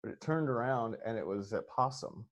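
A man of average pitch talks as a guest on a comedy podcast. His delivery is casual and rambling, with a loose, profane streak. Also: lively intonation, fairly quick.

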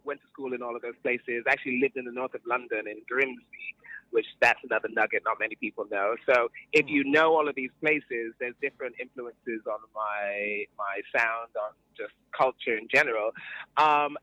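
A man's voice: mid-range voice, steady tone, normal speed, no room sound, phone-quality sound. A man with a transatlantic accent chats casually as an interview guest, playfully self-assured and full of anecdote. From born in New York, grew up across Europe and Sierra Leone. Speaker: celebrity wardrobe stylist, interview guest.

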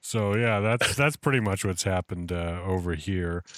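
A man's voice: low-pitched, unhurried, slight background noise. A man hosting a podcast in casual chat, speaking in an easygoing, agreeable way. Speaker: podcast host.

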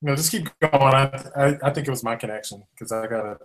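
A man's voice: medium pitch, fast, a bit bright. A man co-hosting a talk show, speaking hesitantly while his voice comes through faint and broken over a weak online call connection. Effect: faint, breaking-up voice over a weak online call connection. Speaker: podcast co-host. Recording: faint distant call audio.

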